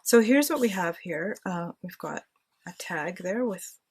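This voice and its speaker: Woman rambling to herself over a craft project, lowish husky voice, casual home vlog. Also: lively intonation, a little slow. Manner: chatty, talks to herself while working. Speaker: crafting vlogger.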